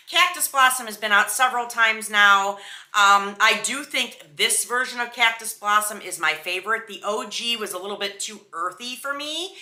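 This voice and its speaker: A woman reviews a beauty product in a casual, chatty way, sassy, emphatic and full of slang. Her voice is fairly high, bright and forceful. The room gives the recording a noticeable indoor echo.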